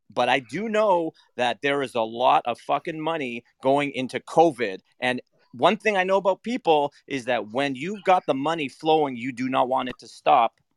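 A normal speaking voice from a man, fairly high in pitch, at a moderate pace with lively intonation, big swings in loudness, and a dry, close sound with no echo. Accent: Canadian. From Canada. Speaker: audience speaker. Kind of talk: debate.

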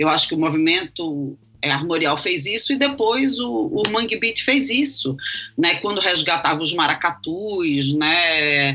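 A woman at fairly low pitch with very wide pitch swings and a fairly slow pace, over noticeable background noise. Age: 40s. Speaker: design professor. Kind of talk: casual chat.

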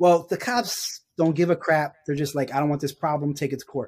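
On a very clean recording with a silent background, the speech moves at a very fast pace. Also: man. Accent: American. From North Philadelphia, US. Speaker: real estate investor and entrepreneur. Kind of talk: casual interview storytelling. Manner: animated.

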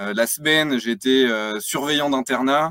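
The speech moves at a fairly slow pace in a very clean recording with a silent background and a dry, close sound with no echo. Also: man. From northern France, Aisne. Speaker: head of sales. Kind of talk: interview. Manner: halting, many repetitions.

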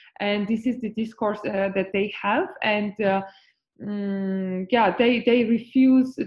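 Here a woman speaks with a Georgian accent at a very slow pace. Her medium pitch shows ordinary variation. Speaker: LGBTQ rights activist. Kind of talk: panel interview.

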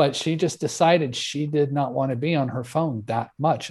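A somewhat breathy man with an American accent, medium pitch and ordinary pitch variation, at a fairly quick pace against a quiet background. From California, San Diego. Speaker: teacher and author. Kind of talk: interview.

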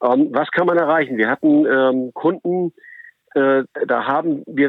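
A man speaking very slowly. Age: 50s. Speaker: SAP licensing consultant and network founder. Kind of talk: interview. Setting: phone call.

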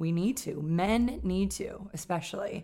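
On a very clean recording with a silent background, a woman with an upstate New York accent speaks at a fairly slow pace. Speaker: podcast host. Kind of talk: casual interview conversation.

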